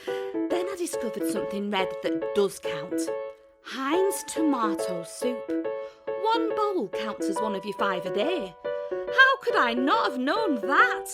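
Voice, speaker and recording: A woman's voice: on the high side, big pitch swings, slow pace. A woman delivering a polished, scripted voice-over read. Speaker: voice-over artist. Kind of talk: scripted voice-over reel reads. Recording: music behind the voice. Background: music.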